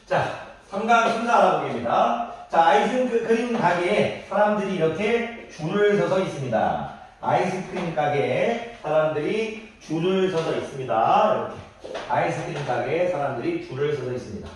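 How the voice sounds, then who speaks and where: Lively man teaching math in echoey room. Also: fairly high pitch, distant mic, slight background noise. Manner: calls himself 선생님, counts aloud slowly while drawing. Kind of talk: online math lesson for young children.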